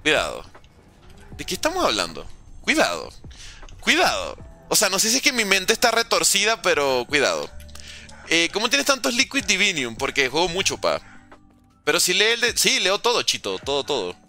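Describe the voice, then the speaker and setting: High-pitched and very animated, this Venezuelan streamer talks fairly quickly in a sharp tone, with faint music in the background. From a windowed room at home, he chats casually while gaming, reading out viewer messages and joking along.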